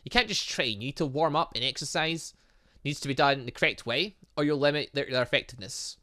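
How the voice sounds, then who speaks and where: A man's voice: mid-range voice, brisk, pushed and bright, no echo, clean studio sound, lightly acted. A man voicing an upbeat, easygoing young male personal trainer in a video game, instructive and encouraging.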